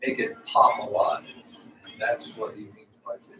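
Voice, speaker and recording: Against light background noise and audible room echo, a man talks at a fairly slow pace. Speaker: workshop host. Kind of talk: announcements and speaker introduction. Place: shop. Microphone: camera far.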